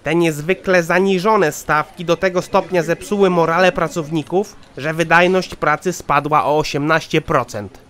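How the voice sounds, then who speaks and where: A man's voice: fairly high pitch, fairly even intonation, moderate pace, hardly any pauses, fairly bright tone, natural voice. A man voicing a callous, dutiful foreman in a satirical cartoon, reporting formally and matter-of-factly.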